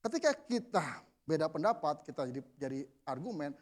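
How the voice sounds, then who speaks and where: A man's voice: a little high, big pitch swings, a little fast, darkish tone. A man, a pastor preaching to a men's group in a casual, conversational way, answering his own questions and slipping into everyday slang.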